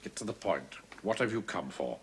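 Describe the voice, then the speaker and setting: Give me a pompous, self-important middle-aged officer in a 1970s sitcom. His indignant voice is bright and it rises and falls a lot. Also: deep voice, expressive, normal speed, slight background noise.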